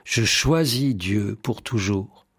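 A low-pitched man with a husky edge talks in a fervent, preacherly way, often quoting scripture. He is a guest in a spiritual radio interview, and the sound is close and dry. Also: slow pace, dry recording. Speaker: priest and songwriter, interview guest.

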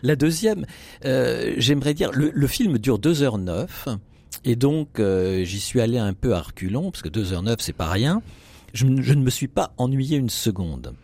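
A man's voice: medium pitch, expressive, moderate pace, creaky, a little mellow, breathy edge, dry recording. Hesitant man reviewing a film. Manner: hesitant, many restarts and fillers. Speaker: cultural commentator.

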